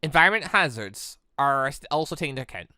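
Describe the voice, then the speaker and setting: A man's voice: on the high side, animated, quick pace, sharp tone, clean tone, no echo, studio quality. A man voicing a cold, logical machine in a visual novel, with stiff, formal, clipped phrasing. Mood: cold, detached. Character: cold, logical sentient machine controlling a robot body. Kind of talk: visual novel character read-aloud.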